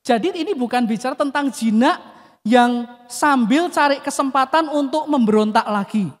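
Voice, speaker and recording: A male pastor preaching a sermon, emphatic, often addressing the congregation and dropping his voice at the end of phrases. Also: very high voice. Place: church hall. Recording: long reverb of a church hall.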